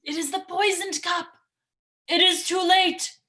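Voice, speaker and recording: A woman's voice: very high voice, steady tone, a little slow, bright, forceful tone, full character voice. A woman playing a commanding, ceremonious, scheming king in a dramatic reading of Shakespearean verse. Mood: alarmed.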